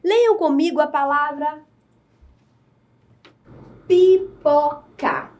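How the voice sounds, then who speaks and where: Woman teacher, high voice, slow deliberate delivery, recorded lesson. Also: sing-song. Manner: slow, clear, deliberate explaining. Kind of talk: recorded adult-education lesson.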